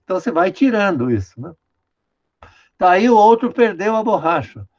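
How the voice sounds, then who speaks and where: A high-sitting, sing-song voice with a darkish tone belongs to an older Brazilian linguistics professor, speaking at a moderate pace in an online lecture. He patiently explains a student's writing, tags lines with "né?", and guides the screen operator, all over dull lo-fi video call audio.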